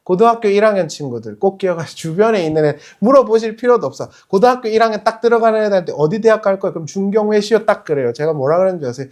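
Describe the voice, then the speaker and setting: A male pastor preaching a sermon in a conversational, lively way, putting rhetorical questions to the congregation. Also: high voice, very fast, few pauses. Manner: acts out quoted speech in other voices.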